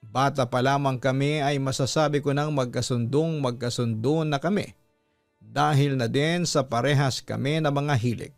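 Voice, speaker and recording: A man's voice: mid-range voice, creaky, no echo. A man with a Filipino accent hosting a story show, reading out a listener's letter as scripted narration.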